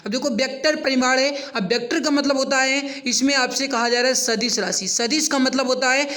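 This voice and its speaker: A man's voice: extremely high pitch, steady tone, moderate pace, bright, forceful tone. A man teaching an online exam-prep lesson, addressing students directly and repeating questions and answers. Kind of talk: online lesson, working through quiz questions.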